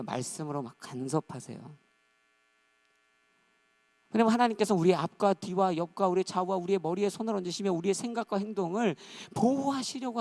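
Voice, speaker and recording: Gravelly-voiced man preaching a sermon. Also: high-pitched, dry recording. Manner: animated, acts out quoted voices. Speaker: pastor.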